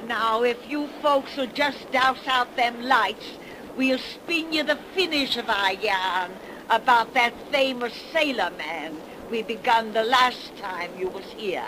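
An actress playing a folksy hundred-year-old witch who tells spooky yarns in a cracked voice on an old radio show. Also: on the high side. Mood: folksy, eerie. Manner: rustic, folksy dialect, slow spinning of yarns. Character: ancient cackling witch crone, 103 years old, folksy storyteller. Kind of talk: 1930s radio horror acting. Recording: noisy 1930s radio broadcast.

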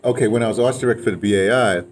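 Rapid-fire yet fairly even in intonation, this man's voice sits on the low side. He's in his seventies, an interviewee and audio drama veteran reminiscing in casual conversation and repeating phrases. He's outside in a patio or yard, and the ambience is clearly noisy.

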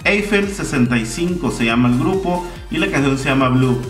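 A man's voice: medium pitch, lively intonation, normal speed. A man in his twenties with a Mexican accent, chatting casually and slangily to camera as a YouTuber. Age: 20s. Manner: informal, slangy, swearing. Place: room at home with tiled floor. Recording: roomy echo, distant mic, faint music.

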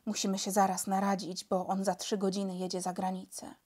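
A woman's voice: mid-range voice, completely flat delivery, a little fast, a little mellow, breathy edge, lightly acted. A woman reading a storybook, voicing a formal, apologetic male prime minister.

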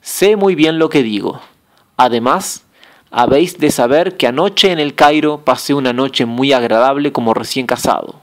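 Male narrator playing a young storybook hero, bewildered and indignant, pleading questions, pitched up. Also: moderate pace, fairly bright tone, lightly acted. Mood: insistent.

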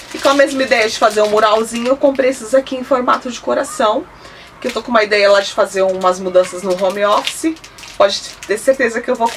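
A woman's voice: on the high side, fairly bright tone. A woman, chatting enthusiastically at home about decor items she bought, holding each one up to the camera. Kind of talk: casual product haul chat. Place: indoor room, seated at home. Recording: slightly distant mic, faint hiss.

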